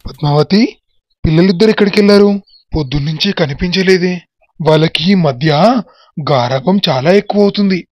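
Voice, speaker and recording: A man's voice: fairly high pitch, fairly quick, long pauses, a little mellow, dry recording, close to an everyday voice. A man playing a poor, humble, disabled beggar father who is tender with his children, in a dramatised moral story. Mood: concerned. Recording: muffled lo-fi audio under music.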